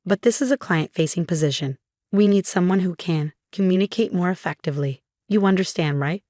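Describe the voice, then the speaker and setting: A man's voice: high-pitched, fairly quick, a little mellow, no room sound, clean studio sound, natural voice. A woman voicing a condescending male company boss in a narrated story. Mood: patronizing. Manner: patronizing, smooth.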